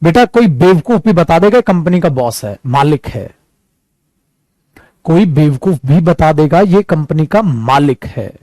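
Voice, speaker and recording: A man's voice: fairly high pitch, lively intonation, unhurried, a little mellow, dry recording. A man teaching an online English lesson in a chatty way, calling his students "beta" and acting out examples. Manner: acts out examples.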